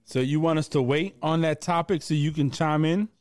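A man hosting a casual sports chat, talking in an animated, slangy way and often repeating words. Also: on the high side, moderate pace, no room sound. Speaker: podcast host.

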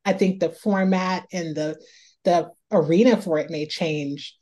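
A woman's voice: fairly low pitch, a little slow, warm tone. A woman from Northeast Ohio, an author talking through her writing life in a reflective interview, often repeating words as she thinks aloud. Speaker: author guest.

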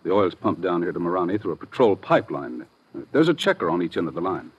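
An actor playing a gruff, hesitant oil-field manager in a 1950s radio drama. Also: male voice, sits low, big pitch swings, fast, lo-fi sound, slight background noise. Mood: guarded, explanatory.

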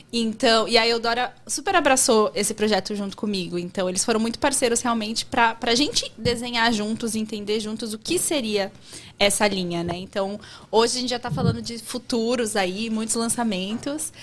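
A Brazilian woman guest chatting on a podcast, acting out messages as she tells a story. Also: a little high. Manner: expressive storyteller who acts out messages. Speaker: guest influencer. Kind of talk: casual chat.

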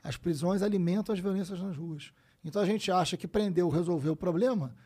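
A man, telling stories as a guest in a casual conversation, animated and full of swearing. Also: high voice, fairly quick. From Brazil. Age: 50s. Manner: animated storyteller, frequent swearing and "né?" tags.

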